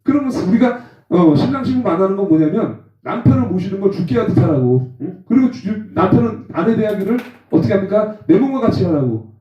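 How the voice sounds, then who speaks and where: Man, forties, testimony sermon, animated, far off mic, dull roomy sound. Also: sits high, a little fast. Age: 40s. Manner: animated, acts out rough phone quarrels with slang. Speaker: preacher. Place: church hall.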